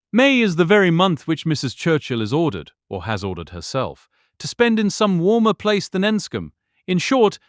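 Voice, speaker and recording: An effusive, swooping, higher-voiced gentleman. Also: dry recording, clean studio sound. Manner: effusive, genteel, rambling. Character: cheerful, talkative older gentleman, proud sanguine father. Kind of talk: full-cast audiobook period drama acting.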